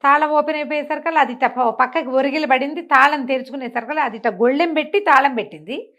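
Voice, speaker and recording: Woman, higher pitch, oral storyteller, conversational, repeated phrases, acted-out dialogue. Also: fast talker, a bit bright, highs cut off. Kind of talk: animated oral folk storytelling.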